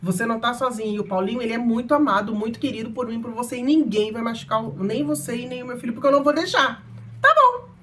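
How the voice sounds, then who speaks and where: A woman's voice: fairly high pitch, fast talker, a little hiss or hum. A woman in her thirties with a Brazilian accent, hosting her channel and telling a personal story with strong emotion. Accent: Brazilian Portuguese. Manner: emotional, animated, shifts between soft and loud. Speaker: channel host.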